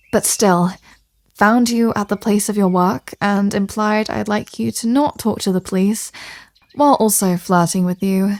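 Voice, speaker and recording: A woman's voice: mid-range voice, a little mellow, no room sound, close to an everyday voice. Woman playing a flirty mafia boss, close and dry. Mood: sincere, tender.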